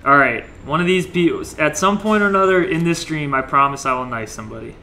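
Bright, chatty young male game streamer. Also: a little high, fast, a little hiss or hum. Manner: chatty, joking, greets viewers while playing. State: slightly hoarse, losing his voice. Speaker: livestream game host. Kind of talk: casual gameplay livestream commentary.

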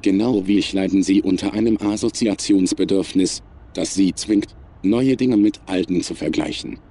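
A low, dark-toned artificial intelligence, acted by a man in a sci-fi radio play. It speaks in measured, formal sentences, coldly logical and detached, with an air of superiority. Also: breathy edge. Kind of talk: science fiction audio drama acting.

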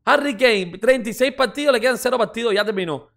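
Reaction host, male, high-pitched and quick, mocking and rambling with slang. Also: creaky, a bit bright. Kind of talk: excited casual reaction commentary.

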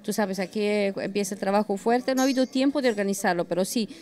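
A middle-aged woman who runs a restaurant presents a dish and a guest, explaining in an animated, casual way into a handheld mic. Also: medium pitch, quick pace. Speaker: restaurant owner. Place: indoors in a busy restaurant. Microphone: handheld mic held by interviewer.

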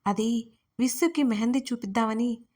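A woman's voice: on the high side, normal speed, lightly acted. A woman voicing a shy young bride. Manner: shy, soft-spoken.

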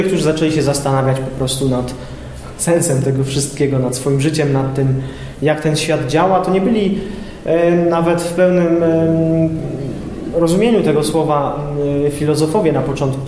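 A young man giving an informal lecture to high school students in a classroom, hesitating often with filler sounds as he explains. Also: a little mellow. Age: young adult. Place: classroom with projector screen, indoors. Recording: echoey room with long reverb, faint noise.

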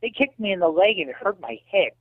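A man's voice: high voice, fast, no room sound. Man in his late fifties on a tinny phone line. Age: 50s. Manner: animated anecdotes, frequent "you know". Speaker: interview guest. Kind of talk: casual storytelling interview.

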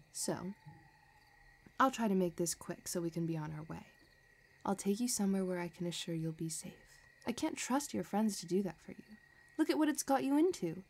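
A woman playing a possessive, sadistic villainess who dotes obsessively, condescending and softly menacing, in an intimate audio roleplay. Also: medium pitch.

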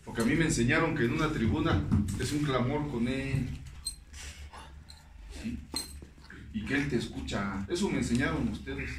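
A man with a Mexican accent giving a profane, emphatic testimony at a support group meeting, with bursts of shouting. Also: mid-range voice, normal speed, pauses often, noisy background. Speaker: recovery group speaker. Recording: echoey room, mic at a distance, faint ambience.

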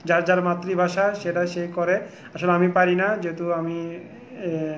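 A tired man hosting a late-night live stream from a clothing showroom, reading out viewer comments with many pauses. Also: high voice, level tone, a bit bright. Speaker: shop host on a live stream. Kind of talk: casual live-stream chat. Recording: echoey, dull phone audio.

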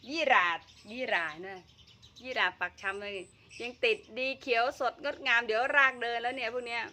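A woman with a fairly high, bright voice chats through a home gardening vlog, thinking out loud as she works and often breaking into fillers. She is recorded outdoors on a phone, and birds chirp in the background. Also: fairly quick, a little hiss or hum. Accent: Thai. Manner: chatty, talks to herself while working, frequent fillers and laughs. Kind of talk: casual gardening vlog narration.

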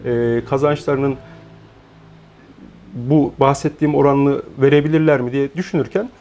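A man in his forties, born in Turkey, answering interview questions in a measured, explanatory way with frequent hesitant fillers. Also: mid-range voice, fairly even intonation, dark tone, a little hiss or hum. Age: 40s. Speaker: guest, founder of an online shop.

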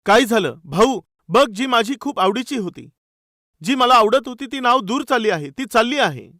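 A man's voice: extremely high pitch, animated, moderate pace, bright, forceful tone, dry recording, studio quality, heavily acted. A man voicing a small boy who pleads tearfully with his older brother over a lost paper boat. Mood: pleading.

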